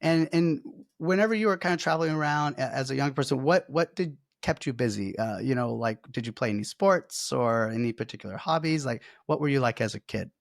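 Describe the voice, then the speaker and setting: A man hosts a podcast in a conversational interview style. His voice sits at a medium pitch, and the sound is dry, with very little room in it. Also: fairly quick, vocal fry, hardly any pauses, dry recording. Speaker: podcast host.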